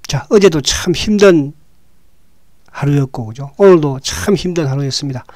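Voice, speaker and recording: A man with a hoarse, slightly raised voice talks through the day's stock market like a regular show host. He speaks casually, restarts his sentences and keeps asking his listeners "right?" The sound is dry and close. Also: a little high, darkish tone, dry recording. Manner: talks with frequent "right?" tag questions, halting restarts.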